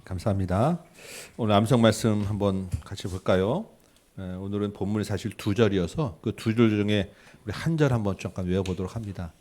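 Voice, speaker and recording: A man leading a church service, calmly guiding the congregation through a scripture verse. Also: on the low side, fairly quick. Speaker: pastor leading scripture memorization.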